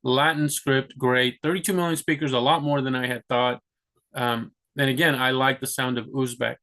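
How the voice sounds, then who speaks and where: This young American vlogger talks casually to the camera, rambling about his own plans with plenty of fillers and restarts. His medium-pitched voice is bright and forceful, holding a steady tone at a moderate pace.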